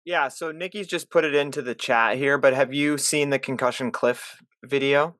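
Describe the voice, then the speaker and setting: A man's voice: medium pitch, steady tone, moderate pace, fairly bright tone, no room sound, studio quality. A middle-aged man, a podcast host and clinician, coaching callers on a live Q&A call with plain explanations and examples.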